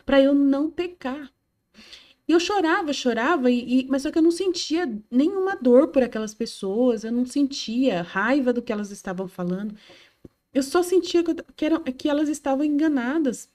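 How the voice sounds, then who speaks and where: A woman's voice: high-pitched, lively intonation, normal speed, mellow. A woman from Brazil giving an emotional personal testimony, earnest and repetitive as she retells a hurtful meeting. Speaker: Catholic study host.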